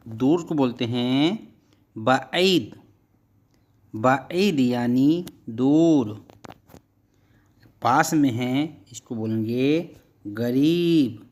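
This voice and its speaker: A man's voice: medium pitch, no echo. A man teaching vocabulary, repeating each word and then giving its meaning. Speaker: language teacher. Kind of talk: vocabulary lesson.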